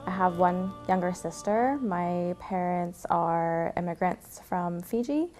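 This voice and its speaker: A young woman from Canada calmly telling her personal story of faith, often pausing with fillers. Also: fairly low pitch, faint music behind. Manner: reflective, with frequent fillers. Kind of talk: personal testimony to camera.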